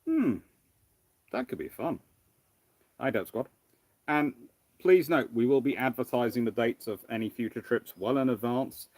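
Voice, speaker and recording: A man hosting a casual live question-and-answer stream, thinking aloud in a halting, rambling way. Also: medium pitch, a little mellow, no echo. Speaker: livestream host, naval historian. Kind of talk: casual live Q&A with off-the-cuff commentary.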